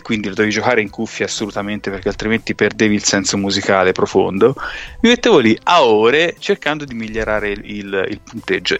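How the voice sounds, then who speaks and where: A man's voice: lowish voice, fairly bright tone. A middle-aged man from Tuscany in casual, colloquial conversation, reminiscing and now and then swearing. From Italy, near Grosseto in Tuscany. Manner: colloquial, mildly profane. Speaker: podcast co-host. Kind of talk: casual chat, reminiscing about arcade games. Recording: dull lo-fi audio with music. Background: music.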